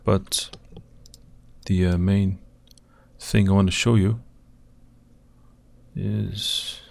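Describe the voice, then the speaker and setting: A man with a croaky, gravelly voice narrates at an unhurried crawl, stopping often to hunt for the right frame. His voice sits a little low, and keyboard clicks from his desk come through now and then. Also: little pitch movement, a little mellow. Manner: hesitant, pausing often with fillers. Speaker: video host analysing footage. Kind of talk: slow screen-recorded commentary.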